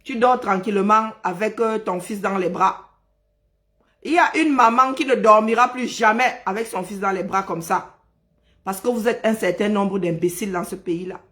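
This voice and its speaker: A man's voice: high-pitched, normal speed, sharp tone. A man from Cameroon, ranting on a live stream, agitated and indignant, hammering his points home by repeating phrases. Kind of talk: angry live-stream rant.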